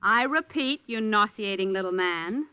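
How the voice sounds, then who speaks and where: A woman's voice: mid-range voice, lively intonation, moderate pace, pushed and bright, smooth. An actress playing a scheming, glamorous female film star in a 1950s radio drama, sultry and condescending.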